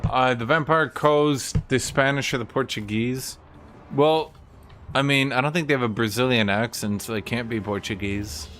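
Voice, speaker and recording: A man's voice: medium pitch, moderate pace, a bit bright, a little hiss or hum. A man giving casual, blunt and sweary live commentary on a strategy game as he streams to chat.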